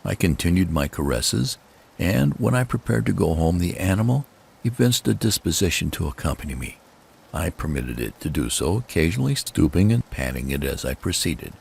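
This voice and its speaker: A man reads a gothic horror story as a dramatic narrator, with theatrical, deliberate phrasing and pauses. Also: sits low, very animated, gravelly, darkish tone, slightly rough.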